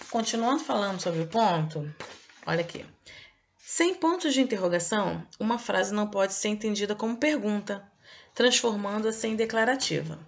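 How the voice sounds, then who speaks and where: A woman gives a recorded lesson to young children in a gravelly, slightly creaky voice. She leans on each key word and drops frequent "okay?" checks to the class. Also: mid-range voice. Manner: didactic, drawn-out emphasis, checks in with "ok?" and "tá?". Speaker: teacher. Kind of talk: online review lesson for children.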